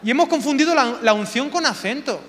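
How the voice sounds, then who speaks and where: A man's voice: very high voice, animated, a little fast, a bit bright, in a large hall, slight background noise. A man preaching a sermon, emphatic and full of rhetorical questions, repeating key words for effect.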